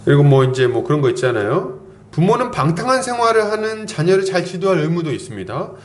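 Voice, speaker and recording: Male pastor preaching an earnest, admonishing sermon with a fairly high, lively voice, recorded in a roomy church hall. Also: quick pace. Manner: earnest, admonishing, acts out quoted lines. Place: church sanctuary.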